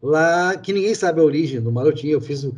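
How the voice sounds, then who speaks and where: Telling local history as host of a conversational interview, this man rambles through his stories with lots of fillers and false starts. His fairly quick, husky voice sits on the higher side and is very expressive.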